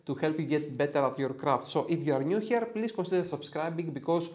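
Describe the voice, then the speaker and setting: A man's voice: fairly high pitch, brisk, a little mellow. A man in his thirties with a Greek accent, teaching a photo editing tutorial in a chatty, upbeat way from a small home studio. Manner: upbeat and chatty, jokes about himself. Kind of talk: software tutorial with casual asides. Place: small home studio room with red lighting.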